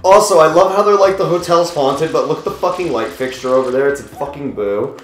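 A man's voice: fairly high pitch, brisk. A man joining in on a let's play, making sarcastic and profane remarks about the game. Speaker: co-commentator. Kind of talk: casual gameplay chat. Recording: roomy room, faint game music.

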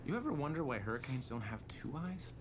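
A man's voice: mid-range voice, very animated, fast, close to an everyday voice. Man voicing a brash, swinging fantasy storm champion. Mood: taunting. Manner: theatrical, taunting. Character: brash, taunting male fantasy storm-wielding game champion. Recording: quiet game audio with background noise.

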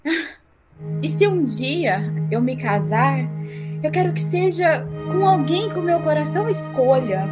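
A woman's voice: high voice, lively intonation, a little slow, loud music behind the voice. A Brazilian woman playing a defiant, dramatic young princess in an audio drama, in a theatrical manner. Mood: indignant, pleading.

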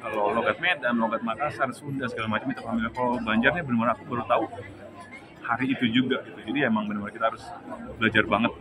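A man in his forties, an actor, answering interview questions thoughtfully with many pauses, at a crowded banquet hall. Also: medium pitch, steady tone. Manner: thoughtful, rambling with fillers. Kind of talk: press interview. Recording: loud crowd chatter behind.

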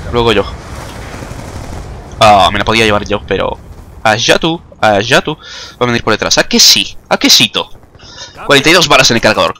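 Playing a game, a young man with a Spain Spanish accent keeps up a casual, jokey commentary that teases his own abilities, his mid-range voice bright and pushed.

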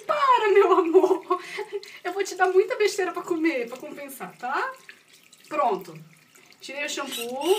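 A woman's voice: high-pitched, far from the mic, slight background noise. A woman, chatting casually in a home vlog and doting on her pet in baby talk while she bathes it. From Brazil. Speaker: pet owner vlogger. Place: indoors at home, bathing a pet.

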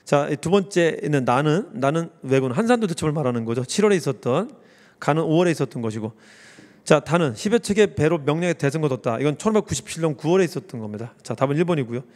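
A man's voice: a little high, lively intonation, fast, darkish tone, long reverb tail. A man lecturing on history for exam review, repeating key words and mnemonics as he explains.

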